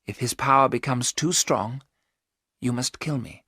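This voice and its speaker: A man reading aloud, voicing a young woman under a vampire's spell who speaks in a grave, hushed way. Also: mid-range voice, unhurried, slightly rough, no room sound, clean studio sound, voice pushed up.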